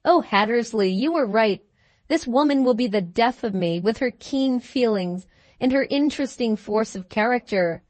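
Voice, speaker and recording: A woman's voice: fairly high pitch, animated, moderate pace, darkish tone, no echo, close to an everyday voice. Woman doing a self-pitying young husband, sarcastic, whining, storybook reading, dry sound. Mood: irritable. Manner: sulky, complaining, sarcastic.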